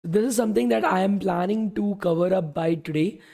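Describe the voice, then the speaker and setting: A man's voice: high voice, fairly quick, vocal fry, warm tone. A young man teaching a live coding class, his voice worn from talking all day. He talks casually, keeps saying "okay" and "guys", and answers questions from the chat. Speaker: coding bootcamp instructor. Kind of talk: live-streamed coding lesson.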